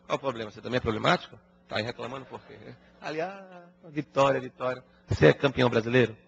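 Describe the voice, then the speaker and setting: Husky man telling a moral story. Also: mid-range voice, rapid-fire. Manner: animated, colloquial storyteller with humor. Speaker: spiritist lecturer. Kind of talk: storytelling lecture. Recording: dull lo-fi broadcast audio.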